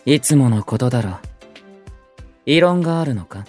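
A man's voice: mid-range voice, lively intonation, moderate pace, a little mellow, faint music behind, close to an everyday voice. Man acting a stern, haughty young male idol. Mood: proud, severe. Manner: curt, haughty, formal and severe. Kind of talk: Japanese anime-style voice drama acting.

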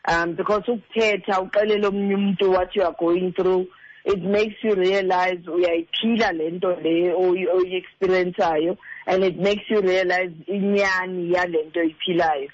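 A man's voice: high voice, fairly even intonation, normal speed, no room sound, lo-fi sound. A man with a South African Xhosa accent giving earnest, direct advice as a relationship counsellor, stressing points by repetition. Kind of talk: earnest advice, mixing in two languages.

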